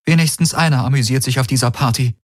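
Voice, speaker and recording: A man's voice: medium pitch, quick pace, no room sound, clean studio sound, pitched above the performer's own voice, lightly acted. A man voicing Kirai, a hurt young woman, in a clipped, bitter voice, in an audiobook.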